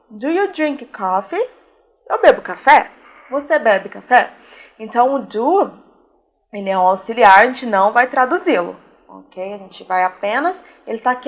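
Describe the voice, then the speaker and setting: A Brazilian woman who speaks Portuguese natively, patiently explaining a beginner English lesson and slowing down for model sentences. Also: on the high side. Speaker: English teacher.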